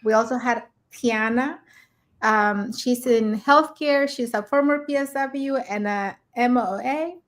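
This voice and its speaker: Cheerful woman co-host from Mexico. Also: a little high. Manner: cheerful, brisk, rattles off names. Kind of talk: online talk show.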